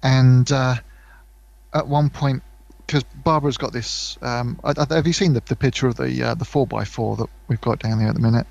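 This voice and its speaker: A man's voice: mid-range voice, fairly even intonation, normal speed, vocal fry, darkish tone, highs cut off. A British man co-hosting a podcast, chatting casually and rambling with many fillers and restarts. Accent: British English. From United Kingdom. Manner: mimics voices for anecdotes. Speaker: podcast co-host. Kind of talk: casual chat.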